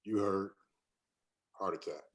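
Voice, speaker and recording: A man's voice: sits low, fairly even intonation, takes it slowly. A man playing a weary, defensive company doctor, bitter and resigned, in a screenplay table read. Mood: evasive.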